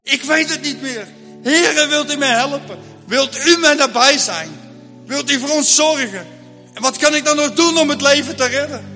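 A man's voice: very high voice, expressive, normal speed, sharp tone, in a large hall, soft background music, full character voice. A man voicing a desperate, guilt-torn farmer who prays and pleads aloud in a story. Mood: anguished.

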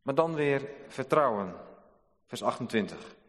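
A man preaching a sermon in a church, deliberate and repeating key phrases for emphasis. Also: medium pitch, expressive, fairly bright tone. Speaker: pastor. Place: church sanctuary. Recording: long church hall reverb.

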